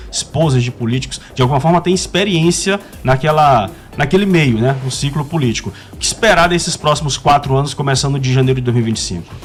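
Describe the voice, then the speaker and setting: Slightly high-voiced radio host. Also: male voice. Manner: conversational, asks with tags like "né". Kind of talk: radio talk show commentary.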